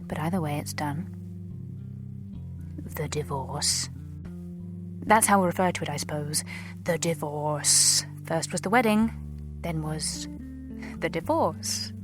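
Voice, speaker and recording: Hurt, formal wife, lowish voice. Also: female voice, over music. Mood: resigned, bitter. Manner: measured, formal, deliberate short phrases. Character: hurt, dignified newly divorced wife, restrained and formal. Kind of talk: audio drama letter reading.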